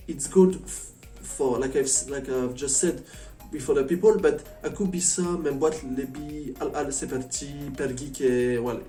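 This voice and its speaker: A man from France with a French accent chatting casually as a vlogger, a foreigner speaking halting learner's Indonesian and often slipping into English. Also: medium pitch, warm tone. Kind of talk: casual chat to camera. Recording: echoey room, distant mic, faint music.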